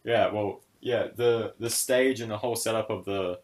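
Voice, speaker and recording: A man's voice: fairly low pitch, moderate pace, a little mellow, a little hiss or hum. A young man co-hosting a casual podcast discussion, speaking thoughtfully and hesitantly with many fillers and restarts. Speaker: podcast co-host.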